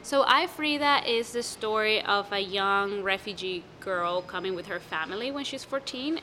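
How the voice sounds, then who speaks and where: Bright-voiced young woman, second-language English. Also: medium pitch, a little hiss or hum. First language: not English. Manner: animated, many restarts and fillers. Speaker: playwright guest. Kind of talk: casual interview answers.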